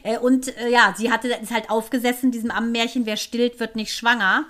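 A woman co-hosting a casual chat, talking fast and emphatically in colloquial speech, with indignant outbursts. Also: fairly high pitch, level tone, a bit bright. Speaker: podcast co-host. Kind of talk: casual conversation.

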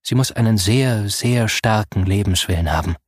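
A man voicing a calm male hospital doctor who speaks quietly and plainly. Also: on the low side, normal speed, no echo, clean studio sound, natural voice. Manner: quiet, matter-of-fact.

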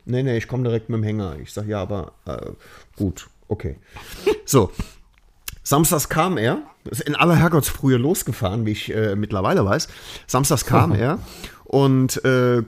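A man's voice: medium pitch, darkish tone. A man hosting a podcast, telling a story in a loose, chatty way full of fillers and tag questions. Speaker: podcast host. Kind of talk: casual storytelling chat.

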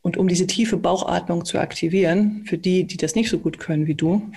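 Speaking coach, calm explanatory tone, demonstrates while talking, coaching conversation. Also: mid-range voice, a little fast, vocal fry, breathy edge.

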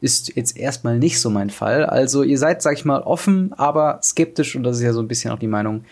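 A young man co-hosting a casual podcast, talking with many pauses and fillers. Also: mid-range voice, animated, a little mellow. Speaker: podcast co-host.

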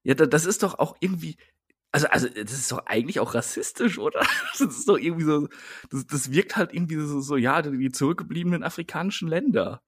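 Ranting German man, husky voice. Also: on the high side, expressive, fast talker, a bit bright. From Germany, Siegerland. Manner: ranting, exasperated. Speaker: podcast co-host. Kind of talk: casual wrestling chat.

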